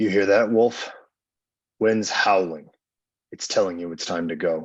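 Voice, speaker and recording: A man's put-on character voice, raspy and fairly low, calm in tone, with big swings in loudness. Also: moderate pace, ordinary pitch variation. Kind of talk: dramatic script reading. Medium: stage play. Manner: calm, low, commanding.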